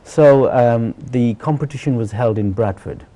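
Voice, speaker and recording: A middle-aged man from Sylhet, Bangladesh, a celebrity chef appearing as an interview guest, tells his own story in a conversational, earnest way with emphatic, repetitive phrasing. His voice sits at a medium pitch, warm in tone, delivered at a moderate pace.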